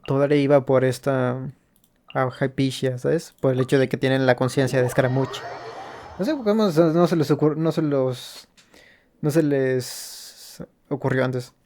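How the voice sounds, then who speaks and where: A man giving casual, halting commentary as host of a gaming video. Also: medium pitch, mellow.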